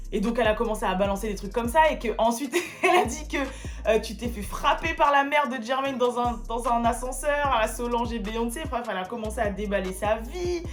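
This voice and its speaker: Chatty woman gossip vlogger. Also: on the high side. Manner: chatty, full of fillers. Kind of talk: casual gossip chat.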